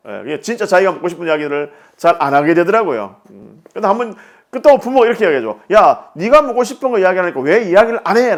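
A middle-aged man hosting a parenting talk, telling a family story in a casual monologue and acting out its dialogue. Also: fairly high pitch. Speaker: parenting educator and show host.

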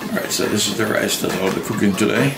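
Gravelly deep man cooking. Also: quick pace. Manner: repetitive, affirming himself with frequent yeses. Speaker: home cooking channel host. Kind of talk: casual cooking demonstration. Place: home kitchen. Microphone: off-camera, hands only in frame. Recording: loud background music. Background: music.

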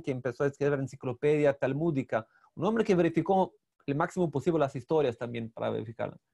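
A man whose first language is Portuguese, a rabbi teaching a storytelling lesson over a video call, who talks haltingly and searches for Spanish words. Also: on the high side, a little mellow.

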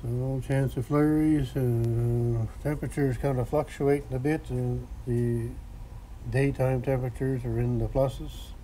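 A man's voice: medium pitch, fairly even intonation, unhurried, dark tone, slight background noise, rough recording. A man rambling in a folksy way while filming in his cluttered home workshop garage. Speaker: vlogger. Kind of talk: casual workshop vlog.

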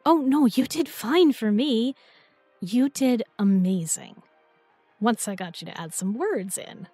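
A woman's voice: fairly high pitch, takes it slowly, dark tone, breathy edge, no echo, soft background music. A young woman playing an affectionate, teasing new girlfriend in an intimate roleplay audio, with a playful, tender, coaxing manner. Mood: reassuring, affectionate.

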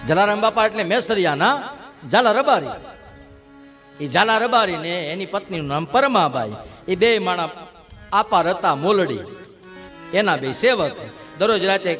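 High-voiced storyteller. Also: male voice. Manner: lively, dramatic storytelling with voiced quotes. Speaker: religious storyteller. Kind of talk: devotional story sermon.

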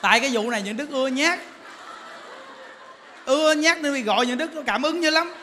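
A man's voice: extremely high pitch, brisk, sharp tone, a faint crowd, slight background noise. A man, a Buddhist monk giving a sermon, telling humorous stories and laughing as he talks. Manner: humorous storytelling, laughs while talking. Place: temple lecture hall. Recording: long hall reverb.

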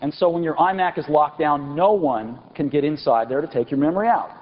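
A man in his forties giving an enthusiastic product launch keynote on a large auditorium stage, pausing for effect and stressing key words. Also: fairly high pitch. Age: 40s. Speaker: company executive presenting a product keynote. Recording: dull lo-fi 1999 event recording with faint hiss.

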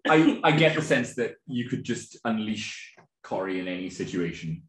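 A man's voice: lowish voice, very animated, normal speed, fairly bright tone. Wry man, echoey room. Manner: wry banter, mock-grand show intro. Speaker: podcast co-host. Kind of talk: casual chat. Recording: roomy echo.

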